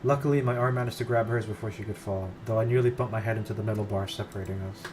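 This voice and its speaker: A man's voice: fairly low pitch, fairly even intonation, very fast. A man streaming himself reading a visual novel aloud, breaking off into casual asides and swearing, over background noise.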